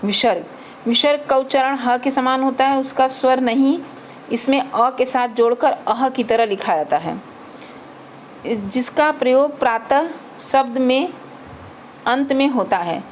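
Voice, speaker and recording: A woman with a somewhat high voice teaches a grammar lesson very slowly, sounding out each letter and example word in turn. Faint background noise sits under the recording. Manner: slow, spelling out letters and examples one by one.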